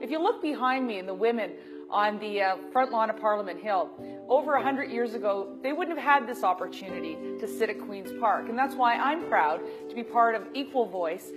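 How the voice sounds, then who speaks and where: A woman politician giving a proud, steady, upbeat prepared statement. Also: fairly high pitch, fairly quick. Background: music.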